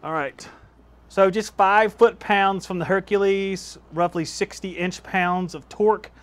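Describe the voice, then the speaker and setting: In his thirties, this YouTube tool tester reviews drills casually in his indoor home workshop, where shelves hold power tools. His voice is high and steady, his pace measured, and he chats easily into a lapel mic, laughing at how his tests turn out.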